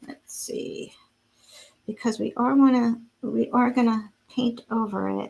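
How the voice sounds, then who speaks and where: A woman is speaking. Her pace is fairly slow. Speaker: craft demonstrator. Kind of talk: live craft tutorial. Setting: livestream. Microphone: volume cutting in and out.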